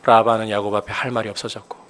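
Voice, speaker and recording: A man's voice: fairly low pitch, little pitch movement, fast, fairly bright tone. A male pastor preaching a sermon, explaining scripture and building to emphatic, raised peaks.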